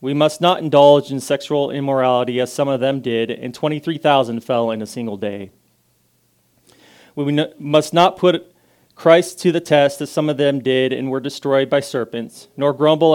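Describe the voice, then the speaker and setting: Casting: man, guest preacher, loud and casual, clear and smooth tone. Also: medium pitch, normal speed. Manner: loud, casual and self-deprecating, reads scripture with rising emphasis, prays softly. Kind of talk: informal sermon with scripture reading and prayer.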